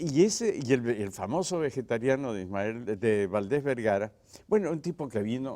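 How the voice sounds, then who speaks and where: The man's tone is dark and mellow, at a medium pitch. His intonation is lively and his pace moderate. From Peru (Cusco), then Spain from age six. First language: Quechua (speaking Spanish). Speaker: chef. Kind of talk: interview conversation.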